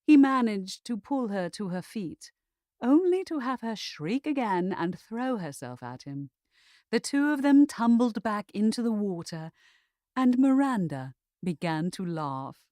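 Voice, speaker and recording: A woman reading a comic Regency romance as an expressive audiobook narrator. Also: mid-range voice, a little slow, dry recording, clean studio sound.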